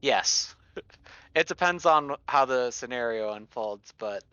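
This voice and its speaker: Male player, mid-pitched and bright, chatting through game plans, slightly muffled recording. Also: lively intonation, slow, smooth, dry recording. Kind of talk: casual in-game discussion.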